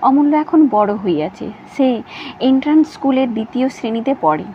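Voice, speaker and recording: A woman storyteller reading a classic novel aloud in an even, measured way, in a slightly dull recording with faint hiss. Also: on the high side.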